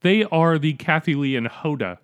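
A man co-hosting a podcast, making dry deadpan jokes in casual comedic chat. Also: fairly high pitch, normal speed, no echo. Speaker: podcast co-host.

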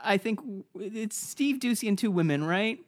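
A man's voice: high voice, lively intonation, moderate pace. Nasal-voiced man riffing on a podcast. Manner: rambling, stammers and repeats words. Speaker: podcast co-host. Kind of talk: casual comedic chat.

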